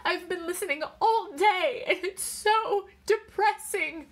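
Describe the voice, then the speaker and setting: A woman voicing an anxious, distraught wife in a story, shrill and wailing as she pleads. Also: sing-song, fairly quick, gravelly, fairly bright tone, slightly rough, full character voice. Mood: sobbing, distressed.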